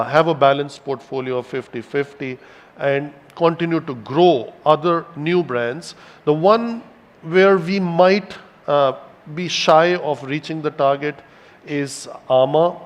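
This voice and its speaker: A man giving a corporate investor presentation as a company executive, speaking in a measured, halting way with emphatic stretched words. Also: medium pitch. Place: hotel event hall with audience present. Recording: reverberant hall sound.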